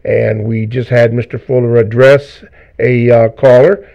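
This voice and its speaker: A man co-hosting a live talk radio show, reading promos and introducing callers in measured announcer phrasing. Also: medium pitch, fairly even intonation. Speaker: radio co-host. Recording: slightly dull lo-fi radio audio.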